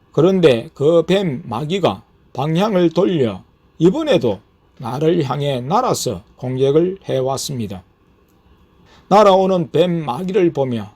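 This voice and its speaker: A man, a pastor, reading aloud a scripted testimony of his experiences at a steady, measured pace. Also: fairly high pitch.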